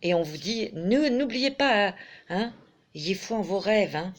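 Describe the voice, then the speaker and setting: Woman doing a chatty card reading, medium pitch, fond little asides, faint hiss in the back. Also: lively intonation, unhurried. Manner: chatty, fond, peppered with "hein", reads card texts aloud. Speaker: tarot and oracle card reader. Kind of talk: casual spoken card reading.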